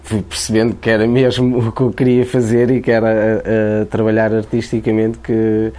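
Low, mellow man, halting speech. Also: monotone. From Angola. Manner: halting, repeats words while thinking. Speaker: interviewee, painter. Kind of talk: casual interview.

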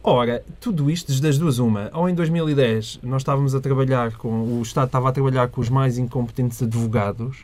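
A man's voice: mid-range voice, steady tone, fast, hardly any pauses, a little mellow. A man with a European Portuguese accent, a panelist arguing in casual debate chat, stammering and restarting before building to emphatic points.

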